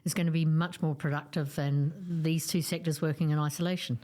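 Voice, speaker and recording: Measured lower-voiced woman co-host. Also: fairly even intonation, warm tone. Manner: explanatory, measured. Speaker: podcast co-host. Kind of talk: podcast conversation.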